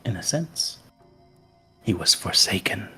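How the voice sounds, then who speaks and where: A man in a tabletop game session tells a dark legend in character. His low voice moves slowly and dramatically, leaning into the ominous moments, with faint music underneath. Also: sing-song, slightly rough. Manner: slow, dramatic, ominous storyteller delivery. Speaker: player.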